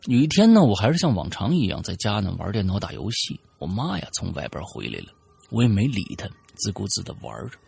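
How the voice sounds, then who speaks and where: A man's voice: lowish voice, big pitch swings, fast talker, gravelly, darkish tone, breathy edge. A man hosting a show, casually retelling a listener's ghost story with chatty asides and fillers. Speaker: host reading a listener's story.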